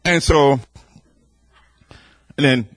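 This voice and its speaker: A man preaching a sermon in a loud, boisterous way, building up to near shouting and easing back into storytelling. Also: medium pitch, extremely slow, no room sound, studio quality.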